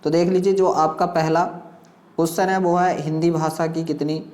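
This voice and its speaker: An exam coaching teacher with a mid-range, darkish voice that moves little in pitch speaks at a moderate pace in an echoey room. The teacher walks through a practice quiz, reading out questions and answer options and addressing learners directly with repeated instructional phrases.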